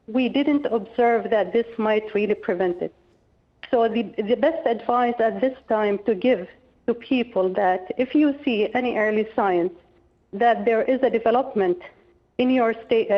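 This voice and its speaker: Woman on a dull phone line. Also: on the high side. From Oman. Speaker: infectious disease consultant, interviewed guest. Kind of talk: explanatory phone interview. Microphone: telephone. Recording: dull, band-limited telephone line.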